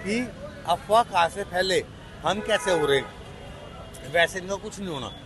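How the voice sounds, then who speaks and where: With crowd noise in the background, a man speaks at a high pitch with ordinary pitch variation. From Delhi. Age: 40s. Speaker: passer-by interviewed on the street. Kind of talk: street interview.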